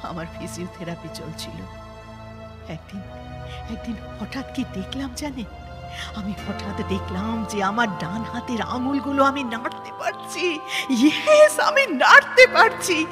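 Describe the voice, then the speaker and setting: An actress playing a resolute, inspiring disabled woman in a Bengali audio drama, speaking emphatically with dramatic pauses and a Bengali accent, switching into English. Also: fairly high pitch, animated. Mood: reflective, earnest, then exultant, determined. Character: resolute, inspiring disabled woman painter who overcame despair. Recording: reverberant hall effect under music.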